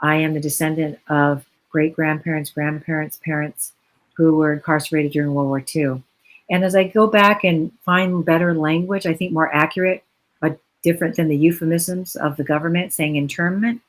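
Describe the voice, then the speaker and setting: A woman's voice: low voice, fairly even intonation, moderate pace, low-quality recording. Earnest woman speaking on a video-call panel. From United States. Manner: earnest and reflective, long flowing explanations. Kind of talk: virtual panel discussion.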